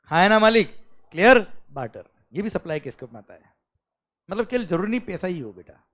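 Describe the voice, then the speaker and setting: A man teaching a live recorded tax lecture, who mixes Hindi with English terms in an Indian English accent, keeps asking "clear?" loudly and chants lists rhythmically. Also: high voice, fairly quick. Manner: animated teacher, calls students "beta", repeats "clear?" loudly. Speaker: GST lecturer for accounting students.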